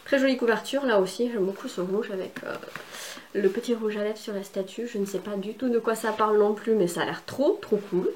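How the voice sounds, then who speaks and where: A woman's voice: medium pitch, fairly quick, a little mellow, slight background noise. A woman book vlogger chatting casually and enthusiastically through an unboxing, with lots of fillers. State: has a cold.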